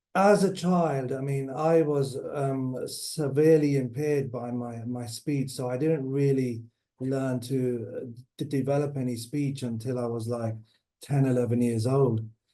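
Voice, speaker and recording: Speaking at a fairly slow pace, a man with a dark, mellow tone keeps his intonation fairly even while room echo is audible. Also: medium pitch for a man. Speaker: researcher. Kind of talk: webinar interview. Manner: halting, stuttering speech; hesitant, many fillers.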